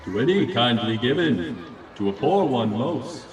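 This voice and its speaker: An actor playing a solemn Christmas spirit in a radio play, kindly but stern, speaking in formal, measured phrases. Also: male voice, mid-range voice, animated, roomy sound, far from the mic, a crowd in the background, lightly acted. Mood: calm, kindly. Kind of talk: radio play acting of a Victorian tale.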